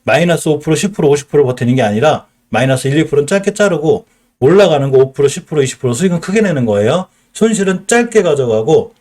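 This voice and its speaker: A middle-aged man streaming a stock lesson in a Chungcheong accent. His voice sits a little high and bounces up and down with lively swings. He explains steadily and keeps tossing himself questions to answer. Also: quick pace. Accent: Chungcheong Korean.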